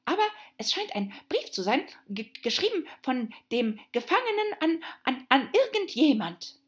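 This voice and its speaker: A woman's voice: high voice, sing-song, moderate pace, pitched above the performer's own voice. A woman playing a stammering, flustered white rabbit. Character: nervous stammering male white rabbit herald.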